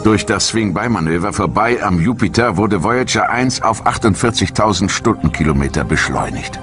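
Deep-voiced man narrating a documentary. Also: lively intonation, normal speed. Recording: studio narration over loud music.

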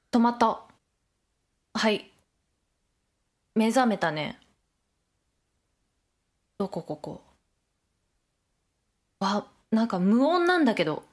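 A young woman giving Let's Play commentary, chatting to herself as she plays, often laughing and reacting with surprise. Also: a little high. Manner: chatty self-talk, frequent laughter and surprised exclamations. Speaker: game streamer.

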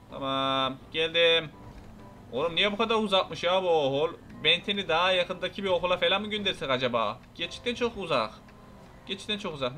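A man's voice: high-pitched, pushed and bright. A young man giving casual, rowdy gameplay commentary, chatting to viewers and mock-threatening game characters. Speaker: gameplay YouTuber. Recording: faint music behind.

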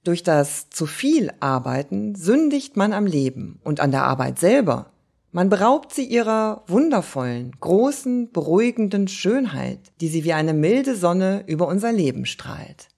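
A woman giving a lively, wry reading of old letters and diary entries. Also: lowish voice, unhurried, creaky. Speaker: reader.

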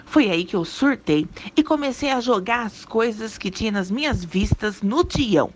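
A woman's voice: on the high side, animated, moderate pace, slight background noise. A woman hosting a storytelling channel, narrating a listener's story dramatically with asides.

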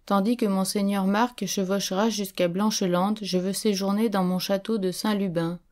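A woman's voice: mid-range voice, steady tone, normal speed, a little mellow, natural voice. A woman reading the lines of a proud medieval queen in a stately, reproachful way.

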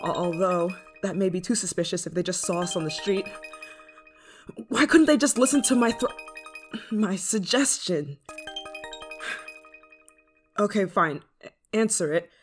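A woman's voice: medium pitch, expressive, soft background music, lightly acted. Woman acting as a clingy, desperate android lover. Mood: nervous. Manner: hesitant, halting, emotionally intense delivery. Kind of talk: ASMR roleplay drama monologue.

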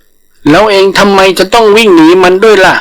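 Folktale monkey, man performing: cocky, teasing, coaxing, raised pitch. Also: normal speed, lightly acted. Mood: curious hailing. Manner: scoffing, coaxing. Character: curious, teasing, overconfident langur monkey.

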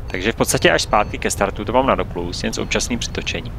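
A man narrates his own flight footage in an even, matter-of-fact voice-over. His voice sits fairly low yet sounds bright and forward. A faint hiss lies under the narration. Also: gravelly. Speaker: paraglider pilot and vlogger.

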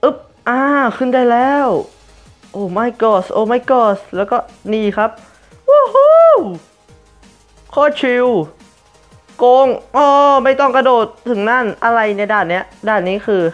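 A man giving excitable gameplay commentary as host of a gaming channel, breaking into yelps and English curses as he plays. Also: very high-pitched, a little slow. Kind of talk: excitable Minecraft parkour commentary. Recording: muffled lo-fi recording with faint background music.

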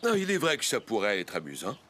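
An older man playing a cheerful, playful grandfather in a French children's cartoon, animated and encouraging. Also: on the low side, fast talker, background noise. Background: background music.

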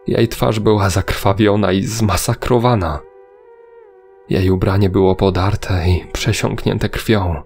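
Guy reading a scary story as narrator, really low voice with lots of fry. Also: darkish tone. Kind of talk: scripted first-person narration.

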